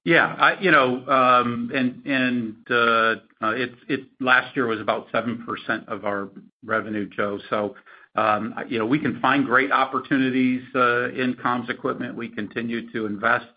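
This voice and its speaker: Man, company executive, earnings call answers, measured and halting, medium pitch, muffled lo-fi audio. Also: steady tone, breathy edge. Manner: halting, hedged, measured delivery.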